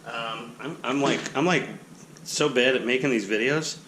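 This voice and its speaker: A man's voice: mid-range voice, normal speed, background noise. A man with a nasal voice rambling casually and self-deprecatingly while unboxing a hobby kit on an action camera. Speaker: hobby channel host.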